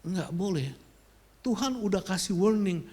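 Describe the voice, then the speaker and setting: A male pastor preaching in church, telling a personal story with sudden loud outbursts and quiet confessions. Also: sits high, animated, unhurried.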